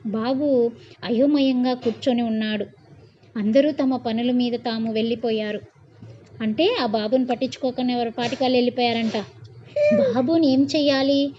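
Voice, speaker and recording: A woman tells a bedtime story in a homely, colloquial way. She often stops to restate lines in simpler words. Her voice sits a little high, and the dull lo-fi recording has a faint hiss. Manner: reads, then retells and explains in casual asides.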